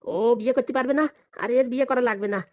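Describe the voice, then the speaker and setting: In a comedy cartoon, a woman with a high-pitched voice close to her everyday one plays a scheming, money-hungry village father who scolds and banters. She sounds scheming and pleased, talking rapidly and colloquially. The sound is lo-fi.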